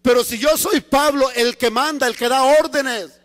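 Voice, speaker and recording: Pastor doing a high, insistent proud man; raised voice, long reverb. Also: normal speed, a bit bright. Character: Paul, proud eager man protesting. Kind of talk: acted quote in a sermon.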